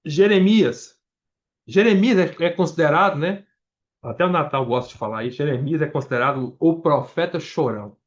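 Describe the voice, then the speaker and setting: A man's voice: fairly high pitch, moderate pace, muffled recording. A Brazilian man with a Brazilian Portuguese accent preaching a Bible-study sermon, reading scripture aloud verse by verse, restarting words and explaining as he goes to the congregation. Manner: addresses the congregation directly.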